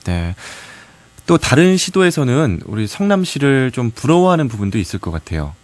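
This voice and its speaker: A man hosting a radio talk show, mostly giving short agreeing replies and gentle follow-up remarks. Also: mid-range voice, very animated, moderate pace, dry recording. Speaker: radio host. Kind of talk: interviewer, short backchannels. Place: radio studio.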